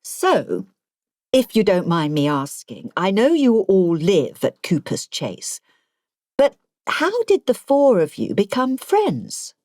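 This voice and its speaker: Woman acting younger policewoman, frank, polite, plain-spoken, animated intonation, audiobook dialogue. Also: medium pitch, takes it slowly, dry recording, clean studio sound, voice pushed up. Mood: curious.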